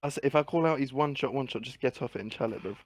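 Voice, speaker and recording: Young man, British accent, medium pitch, slangy argumentative gaming chat, swearing, dry close sound. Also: very fast, no echo. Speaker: video game player.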